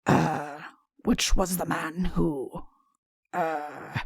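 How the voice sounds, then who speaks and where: A woman voicing a pompous, fussy fairy-tale king and doting father in a comic audiobook, with mock-innocent, deliberate phrasing. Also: sits low, fairly even intonation, creaky, husky, dry recording, clean studio sound, pitched below the performer's own voice, full character voice. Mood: confidential, genial. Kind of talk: audiobook comic character acting.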